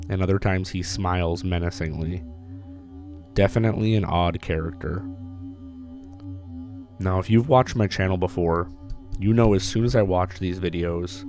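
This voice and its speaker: A man with a hoarse voice, recovering from illness, narrating a casual, blunt video commentary. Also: low voice. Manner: casual, blunt, mildly profane. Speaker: YouTube commentator. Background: background music.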